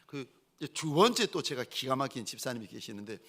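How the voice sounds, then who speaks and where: A man preaching a sermon as a pastor, telling stories in an animated way and acting out the people he quotes. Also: medium pitch, fairly quick, slightly rough.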